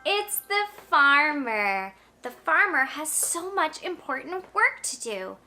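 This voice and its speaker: A woman hosting a children's lesson, speaking to toddlers in simple phrases with encouraging prompts and pauses for answers. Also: high-pitched, sing-song. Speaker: children's educational show host. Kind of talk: toddler lesson, talking directly to young children. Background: music.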